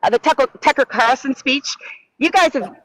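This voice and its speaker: A woman calling in from her phone while walking her dog outdoors, her voice cutting in and out over a laggy internet connection, halting with fillers and restarts. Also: high voice, no echo, low-quality recording. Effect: choppy, lagging internet connection. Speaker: caller. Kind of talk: call-in chat on a live stream.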